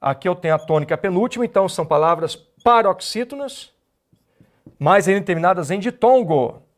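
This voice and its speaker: A man's voice: sits high, lively intonation, brisk. A Brazilian man teaching an exam-prep grammar lecture, who explains step by step and keeps asking the class rhetorical questions. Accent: Brazilian Portuguese.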